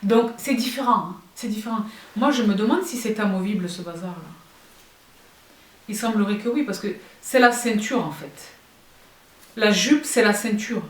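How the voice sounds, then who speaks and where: French woman, young, fashion vlogger, chatty, talks to her viewers, mid pitch, roomy sound, off-mic. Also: moderate pace. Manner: chatty and expressive, addresses viewers as girls. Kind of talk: casual haul chat to viewers. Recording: roomy, a bit far from the mic.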